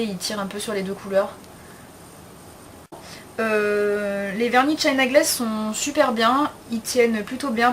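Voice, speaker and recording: A woman's voice: medium pitch, slight background noise. Chatty young woman with slangy talk. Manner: chatty, slangy and frank, with many fillers. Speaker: beauty vlogger. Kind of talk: casual haul video chat.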